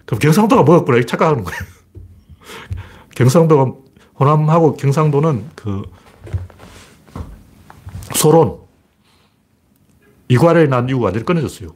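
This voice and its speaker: A man talking through politics and history in a casual, blunt, emphatic monologue with a husky voice. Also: medium pitch, normal speed, long pauses. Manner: animated, blunt and emphatic, with frequent laughs and repeated phrases. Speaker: political commentator.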